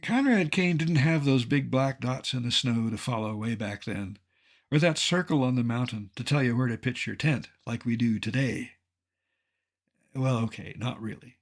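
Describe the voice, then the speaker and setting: A naturalist in his seventies from Colorado, United States, gives an illustrated lecture in a mid-range voice. His delivery is measured, laced with dry, wry humor.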